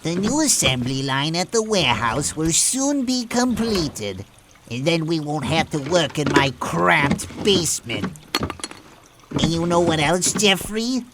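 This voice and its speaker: A man playing a slow, scheming crime boss. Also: on the high side, very animated, background noise. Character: scheming male crime boss running a basement operation. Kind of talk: amateur audio drama acting. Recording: music under the voice.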